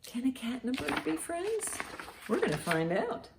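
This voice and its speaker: A woman's voice: high-pitched, wildly swooping pitch, normal speed, creaky, background noise. A woman hosting a children's storytime, reading and chanting rhymes in a sing-song, encouraging way for young children. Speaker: children's librarian, storytime host. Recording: roomy, echoing sound.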